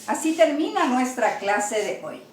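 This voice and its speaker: A woman's voice: sits high, very animated, unhurried, roomy sound. A woman teaching a language lesson, patiently spelling words out letter by letter and explaining each one.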